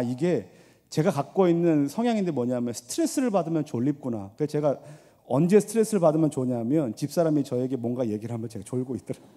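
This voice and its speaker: Dark-toned male pastor preaching in a hall. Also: medium pitch. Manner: dramatic swings between loud appeals and hushed asides; conversational storytelling with rhetorical questions. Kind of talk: sermon. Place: church sanctuary. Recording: long church hall reverb.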